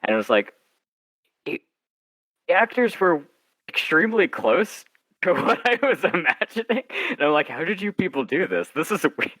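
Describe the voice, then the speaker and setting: A man's voice: on the high side, big pitch swings, moderate pace, long pauses, a bit bright, dry recording, low-quality recording. A young man chatting casually as a podcast guest, in a jokey, self-deprecating way. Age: young adult. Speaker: podcast guest, horror writer. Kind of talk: casual chat.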